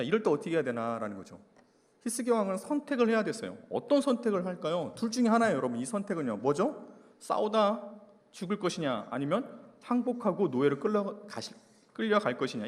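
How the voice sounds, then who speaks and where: Male pastor, thirties, a bit high-pitched and very lively, storytelling sermon, long church reverb. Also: quick pace. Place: church hall.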